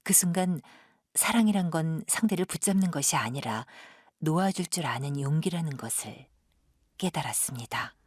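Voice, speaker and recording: A woman narrates a literary story in a notably low register. Her voice is breathy and husky, with measured, dramatic phrasing. The sound is dry and close. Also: animated, a little mellow, no echo.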